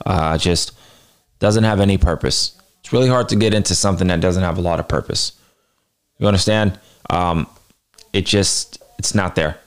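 A man with a low, smooth voice hosts a wrestling review. He gives commentary in a casual, conversational way, walking through the action and adding his own opinions. His delivery is clean and resonant. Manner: conversational match-by-match recapping with personal opinions. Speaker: wrestling show reviewer and host.

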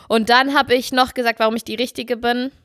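A woman's voice: a little high, fairly even intonation, brisk, a bit bright, no room sound, studio quality. A woman chatting casually and comedically as a podcast co-host, self-ironic and thinking aloud as she goes.

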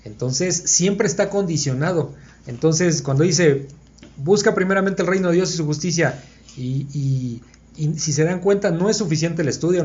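A man speaking in a mellow, mid-range voice hosts a relaxed Bible study for a few people, working through his thoughts aloud and checking that they follow along. The recording is dull and lo-fi.

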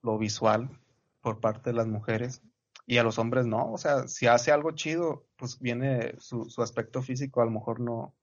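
A man's voice: mid-range voice, steady tone, measured pace. A Mexican man talking easygoing and slangy in a podcast chat, his mid-range voice captured on a slightly dull, lo-fi recording. He drops casual filler words all through his sentences. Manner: laid-back slangy talk, peppers sentences with "güey".

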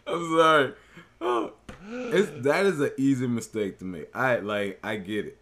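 A man's voice: mid-range voice, big pitch swings, unhurried, fairly bright tone. A man co-hosting a podcast, talking casually and hesitantly with many fillers and restarts. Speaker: podcast co-host. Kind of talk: casual chat.

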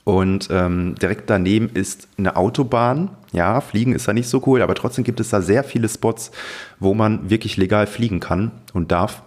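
A man's voice: fairly low pitch, normal speed, a little mellow. A man from the Ruhr area of Germany chatting casually as a podcast co-host. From Witten, Ruhr area, Germany.

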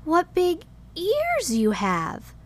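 A woman's voice: extremely high pitch, wildly swooping pitch, very slow, no room sound, voice pushed up, heavily acted. A woman voicing an innocent young girl in a red hood, wide-eyed and wondering.

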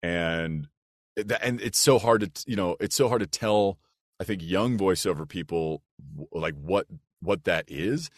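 Guy with a big low rich voice, very deep, dry close sound, earnest chatty podcast guest. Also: a little slow, no echo. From United States. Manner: earnest and reflective, with restarts and "like". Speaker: voice actor guest. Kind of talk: casual podcast conversation.

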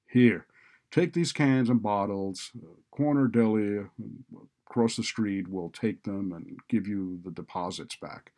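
A man voicing a callous, sarcastic male college dean in a story, loud and exasperated. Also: lowish voice, measured pace, lightly acted. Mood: grudging. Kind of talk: audiobook character dialogue.

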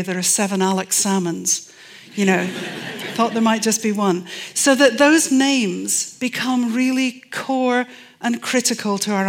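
At a public talk, a forensic anthropologist tells stories with dry humor and emphasis. She is a middle-aged woman from Scotland with a medium-pitched voice.

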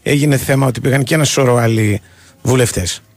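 A man's voice: medium pitch, no echo, faint music behind. A man co-hosting a radio show, arguing his point insistently in a heated studio debate. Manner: insistent, argumentative, talks over his partner. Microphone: studio microphone.

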